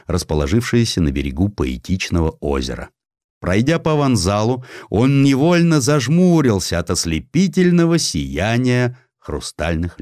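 A low-voiced man narrates a historical story as an audiobook, his delivery measured and expressive in a literary style. The sound is clean studio quality with no echo.

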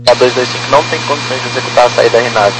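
A man's voice: medium pitch, steady tone, very fast. A male airline pilot making terse procedural calls in clipped aviation phraseology, over a walkie-talkie style radio. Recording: noisy aviation radio transmission with hum.

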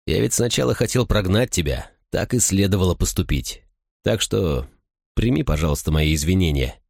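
A calm, self-assured gang leader who talks in a low, quiet way, as a deep-voiced audiobook reader plays him. The sound is dry and close to the mic. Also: male voice, moderate pace, creaky, no room sound, heavily acted. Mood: apologetic. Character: male crew leader, calm and confident.

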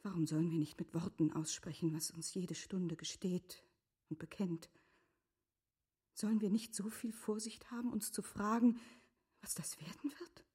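An actress playing a composed, earnest middle-aged wife in a literary radio drama, speaking formally with a breathy, often hushed delivery. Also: female voice, lowish voice, fairly even intonation, moderate pace. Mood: hushed, urgent.

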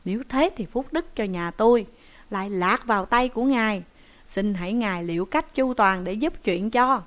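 A woman's voice: medium pitch, moderate pace, lightly acted. A woman voicing a male traveler caught as a thief, who talks in an urgent, pleading way. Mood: grateful.

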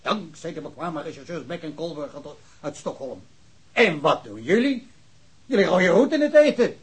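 An actor playing an indignant, argumentative policeman with a husky voice in a radio drama. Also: on the high side, sing-song, normal speed, heavily acted. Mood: indignant, reproachful. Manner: argumentative, reproachful. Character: indignant local policeman, convinced the case is closed.

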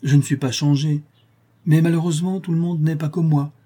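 A man's voice: a little high, a little fast, husky, voice pushed up. A man reading an audiobook aloud, voicing a cheerful, talkative young Parisian seamstress. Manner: lively, affectionate, talkative.

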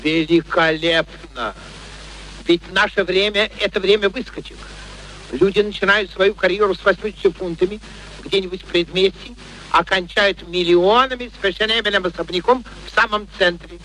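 High, sharp, pompous male professor. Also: normal speed. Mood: boastful. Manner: pompous, emphatic, declamatory, precise diction. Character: arrogant, excitable gentleman phonetics professor, scornful and boastful. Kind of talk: theatrical radio play acting. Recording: noisy vintage radio play recording.

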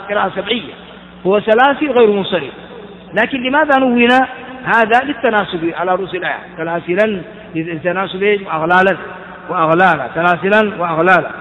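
A man's voice: high voice, fairly bright tone. A man giving a grammar lesson, explaining step by step and asking his listeners questions. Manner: chants verse in a sing-song. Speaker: grammar teacher. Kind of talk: classroom lecture on grammar. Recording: dull, hall-like lo-fi recording.

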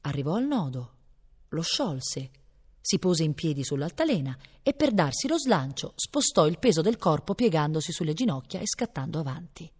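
Woman reading a novel aloud, expressive. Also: sits low, normal speed, slightly rough, long reverb tail. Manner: expressive, voicing each character. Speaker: audiobook reader.

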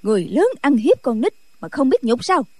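A man's voice: very high-pitched, big pitch swings, brisk, slightly rough, no echo, voice pushed up, exaggerated voice. A man voicing a hot-tempered older Buddhist nun who scolds sharply. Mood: scolding.

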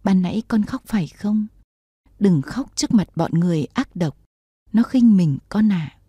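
A woman's voice: mid-range voice, animated, unhurried, mellow, breathy edge, no echo, lo-fi sound. Woman reading as a proud jailed woman general. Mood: tender. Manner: fierce toward enemies, tender with her child.

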